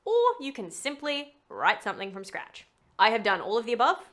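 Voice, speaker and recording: With a highish, lively and slightly bright voice, a woman voice actor briskly narrates a scripted to-camera tutorial about building a demo reel. Her delivery is chatty and emphatic, sprinkled with self-deprecating jokes.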